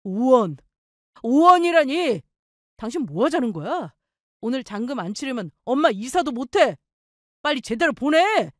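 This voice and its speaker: A woman voicing a pushy, panicky husband in a story drama, shifting between yelling and begging. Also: a little high, very animated, normal speed, no echo, clean studio sound. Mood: angry. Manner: angry then pleading. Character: panicky, pushy husband, middle-aged man.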